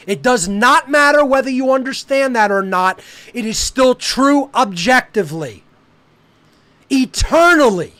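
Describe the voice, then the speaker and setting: A man hosting a podcast, talking alone in an emphatic, denouncing monologue that slows down to stress key words. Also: extremely high pitch, a bit bright. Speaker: podcast host.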